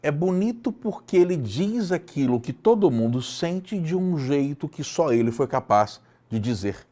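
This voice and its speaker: A man from Brazil, teaching a video lesson in an expressive, emphatic way, repeating lines for effect. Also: medium pitch. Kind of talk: video lecture.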